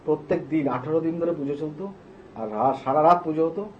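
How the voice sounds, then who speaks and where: A man tells a tale with heavy drama. He leaps to loud, emphatic bursts, then drops to a hush. It sounds like a dull, lo-fi TV studio recording with a faint hiss underneath. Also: a little fast. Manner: swings between loud emphatic bursts and hushed low tones. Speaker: tantric practitioner telling his story. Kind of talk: dramatic personal storytelling.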